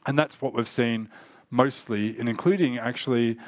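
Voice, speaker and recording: Hoarse man giving a talk. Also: medium pitch, dry recording. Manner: halting, many fillers. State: getting over a cold, voice going. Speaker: cybersecurity speaker. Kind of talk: conference talk.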